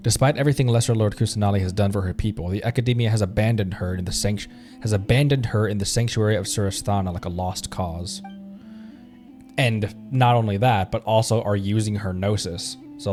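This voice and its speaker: A man's voice: fairly low pitch, fairly quick, darkish tone. A man livestreaming a game, chatting casually and reading dialogue aloud in a playful way. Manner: playful, silly sound words, stumbles while reading. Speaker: streamer. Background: game music.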